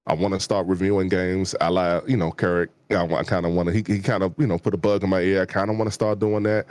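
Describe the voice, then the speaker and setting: A man in his forties with a D.C. accent talks casually over a video call, rambling and restarting his sentences with plenty of "like" and "um." His voice sits low, and the sound is dry and close. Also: quick pace, no room sound. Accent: Washington, D.C. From Washington, D.C. area. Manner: relaxed, rambling with many fillers and restarts. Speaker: YouTube gaming creator, guest. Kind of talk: casual interview talk.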